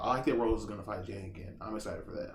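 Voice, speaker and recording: A man talks at a fairly low pitch. Noticeable background noise and audible room echo surround him. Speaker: podcast host. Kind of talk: casual solo commentary. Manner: casual, halting with fillers.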